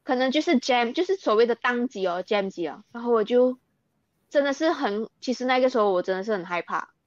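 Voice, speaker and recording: A woman's voice: on the high side, animated, a little fast, dry recording, dull audio. A young Malaysian woman speaking Mandarin with a Malaysian accent, earnestly recounting things in an interview and mixing in English words. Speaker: interview guest, athlete. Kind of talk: candid interview.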